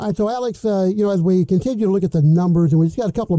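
At a very fast pace, a man with an American accent speaks with ordinary pitch variation. The sound is dry and close, with no echo. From southern Missouri. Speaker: radio host. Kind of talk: casual interview chat. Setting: studio.

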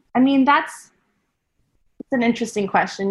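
A woman talks with lively intonation in a somewhat breathy voice. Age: 30s. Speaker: dog training facility owner. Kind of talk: casual interview chat.

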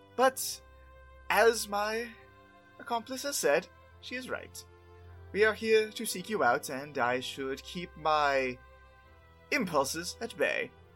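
A man's playful, put-on character voice, high in pitch and fairly slow, with long, frequent pauses and faint music in the background. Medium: actual play. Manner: courtly, playful, self-assured.

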